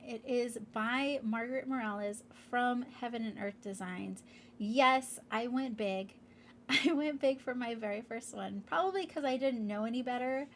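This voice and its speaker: Woman, slightly high voice, congested and nasal, chatty crafting vlog, rambling with fillers, faint background hum. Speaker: crafting channel host.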